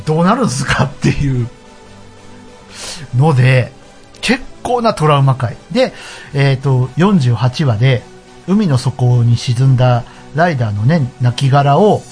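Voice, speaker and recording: A man hosting a solo show, talking casually and politely to his listeners. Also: medium pitch. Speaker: host of a solo radio-style show. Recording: background music under the voice.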